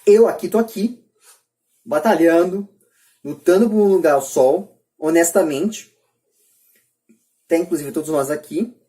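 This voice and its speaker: A man's voice: a little high, measured pace, pauses often, mellow. A man with a Brazilian accent talking earnestly and emphatically on a podcast, repeating himself to press his points. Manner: emphatic, repetitive. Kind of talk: earnest opinionated podcast talk. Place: at home, remote group call.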